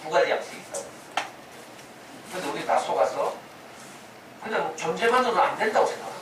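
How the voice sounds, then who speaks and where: A man with a high-sitting voice lectures fairly quickly in a parenting humanities class, speaking conversationally with many rhetorical questions and acted-out quotes in a sermon-like storytelling style. Recorded from a distance in an echoey lecture room, the audio is noisy.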